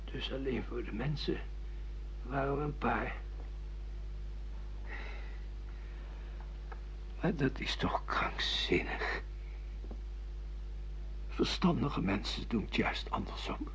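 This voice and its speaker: A man's voice: mid-range voice, slow, long pauses, a bit bright, in a whisper. An actor playing a bitter, defiant judge who has lost his memory, argumentative and sardonic, in a Dutch radio play. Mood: subdued, puzzled. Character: bitter amnesiac judge, defiant man refusing his past. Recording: dull lo-fi radio play recording.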